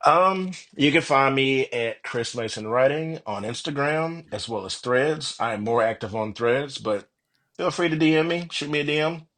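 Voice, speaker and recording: A man talks as a guest author in a casual interview. His voice sits at an average pitch, and his delivery is informal and conversational. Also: expressive, normal speed, a bit bright.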